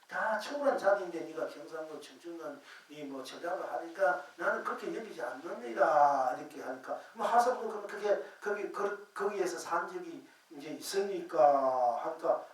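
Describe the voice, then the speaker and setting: An older man, a Zen master, giving a dharma sermon in a temple hall, unhurried and rambling with many filler words. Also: fairly high pitch, lively intonation. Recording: very echoey hall, voice far from mic.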